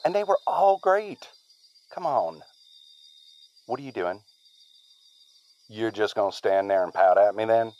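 A man playing a gruff, stubborn, wounded man in a naturalistic audio drama, grumbling and curt. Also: fairly low pitch, expressive, measured pace, pauses often, a little mellow, no room sound, lo-fi sound. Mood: exasperated, coaxing.

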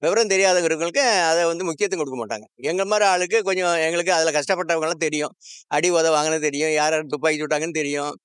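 An older man answering a street interviewer on a covered footbridge, pausing and searching for words. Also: fairly high pitch, clear, resonant tone, dry recording, studio quality. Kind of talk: street vox pop answers. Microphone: handheld interviewer mic.

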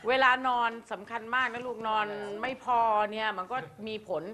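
Gently lecturing middle-aged woman teacher. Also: a little high, normal speed. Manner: gently lecturing, calls students "child", soft polite endings. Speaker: head teacher of a singing class. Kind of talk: classroom talk to students.

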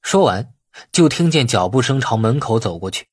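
A man narrating a novel as an audiobook in an expressive, dramatic storytelling manner. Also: medium pitch, normal speed, breathy edge, no echo, studio quality.

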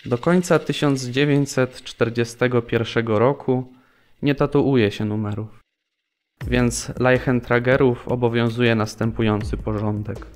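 An actor in an audio drama playing a grave camp prisoner giving testimony. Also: male voice, medium pitch, fairly even intonation, measured pace, lightly acted. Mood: grave, somber. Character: grave male Polish concentration camp prisoner recounting camp life. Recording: studio voice over background music.

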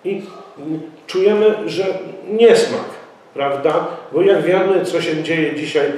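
A man's voice: on the high side, darkish tone. A middle-aged man at a press conference, speaking formally and insistently, with frequent hesitations. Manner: formal, insistent, halting with fillers. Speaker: local party representative. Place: office room, indoors. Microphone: far camera mic. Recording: echoey room, voice from far off.

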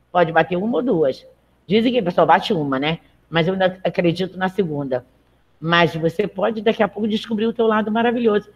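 Chatty, encouraging woman teacher. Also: medium pitch. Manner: chatty, checks in with frequent "tá?"; encouraging and motherly with students. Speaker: Portuguese teacher. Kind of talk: live online grammar lesson.

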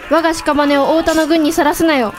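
Loyal samurai princess , female actor, young, high-pitched, brave, theatrical delivery for a historical audio drama. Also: fairly even intonation, a little fast, heavy background noise, natural voice. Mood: resolute, desperate. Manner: dramatic, archaic warrior speech. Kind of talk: Japanese historical voice drama acting.

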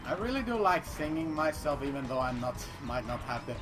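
A man who is not a native English speaker, commentating his gameplay in a rambling, playful way. He repeats phrases and bursts into loud declarations. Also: on the high side, very animated, fairly quick, music in the background. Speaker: let's play commentator.

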